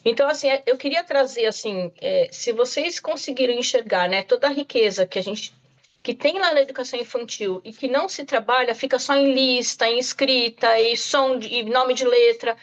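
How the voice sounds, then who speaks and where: A woman's voice: on the high side, normal speed, lo-fi sound. A woman giving an online lecture to educators, speaking straight to her listeners and often checking in with "tá?" and "né?". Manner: talks straight to listeners, frequent "tá?" and "né?". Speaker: literacy specialist presenter.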